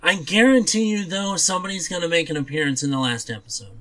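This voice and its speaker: A man's voice: fairly high pitch, quick pace, fairly bright tone. A man co-hosting a podcast in casual chat, talking emphatically and repeating points for stress. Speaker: podcast co-host. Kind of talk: casual chat reviewing superhero TV.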